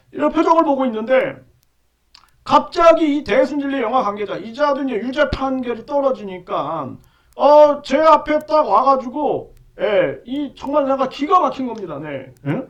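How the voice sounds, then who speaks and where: A man's voice: very high voice, lively intonation, moderate pace, fairly bright tone, far from the mic, muffled recording. A man hosting his own channel, delivering an indignant monologue commentary full of repeated fillers. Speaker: online channel host.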